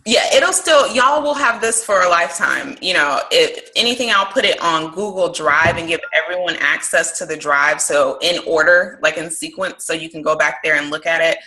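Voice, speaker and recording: A woman's voice: deep voice, moderate pace, few pauses, pushed and bright, rough recording. A woman hosting a crystal course conference call, chatty and encouraging. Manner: chatty, encouraging, uses y'all. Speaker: course host. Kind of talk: casual group conference call. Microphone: phone or computer call.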